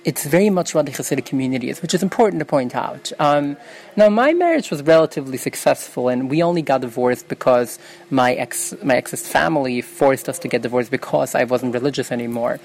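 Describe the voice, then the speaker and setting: A woman's voice: very deep voice, animated, fairly quick, darkish tone, slight background noise. A young woman from New York, a native Yiddish speaker, answering interview questions in an earnest, self-correcting way. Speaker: interview guest.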